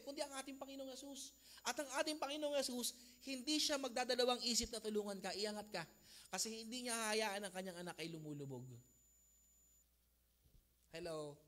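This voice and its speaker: A male pastor preaching a sermon, swinging between loud emphasis and hushed intensity, often checking that listeners follow. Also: very high voice. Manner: mixes Tagalog and English phrases.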